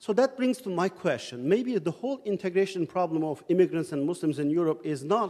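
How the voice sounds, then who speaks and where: A dark, mellow tone with a Turkish accent and ordinary pitch variation. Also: man. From Turkey. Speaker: audience member asking a question. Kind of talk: Q&A after a lecture.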